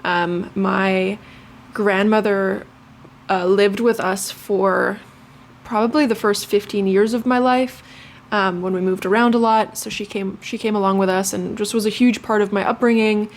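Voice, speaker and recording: A woman's voice: medium pitch, fairly even intonation, unhurried. A young woman from Lithuania, a native Lithuanian speaker, chatting casually to camera as a vlogger, with many fillers and restarts.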